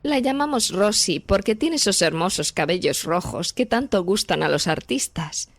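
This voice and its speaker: Lively chatty young woman, voiced by an actress. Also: medium pitch, normal speed, no room sound. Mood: cheerful, chatty. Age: young adult.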